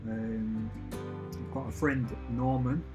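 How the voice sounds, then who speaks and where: Man, casual live-stream host, rambling and upbeat, mid pitch, music behind. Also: fairly even intonation, slow pace. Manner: rambling, restarts sentences, chatty and upbeat. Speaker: channel host answering live questions. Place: at home with family and a cat nearby.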